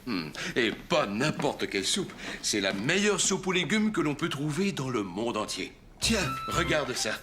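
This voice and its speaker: A man playing a kindly, forgetful old grandfather in a children's cartoon, talking gently and patiently. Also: medium pitch, very animated, measured pace, hardly any pauses. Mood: warm, playful. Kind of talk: French children's cartoon acting.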